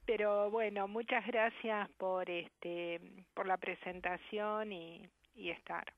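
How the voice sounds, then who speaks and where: A woman's voice: medium pitch, fairly even intonation, dry recording. Woman with careful diction on a muffled phone line. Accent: Argentine Spanish. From Argentina. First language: Argentine Sign Language. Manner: measured, reflective, careful diction. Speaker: sign language interpreter guest. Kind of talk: radio interview over the phone. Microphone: telephone.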